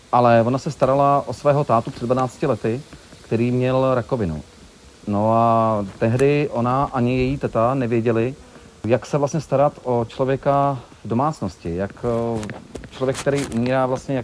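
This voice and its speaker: A man talks in an ordinary speaking voice at medium pitch, a moderate pace and fairly even intonation. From South Moravia, Czech Republic. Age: 30s. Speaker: charity walker. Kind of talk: interview.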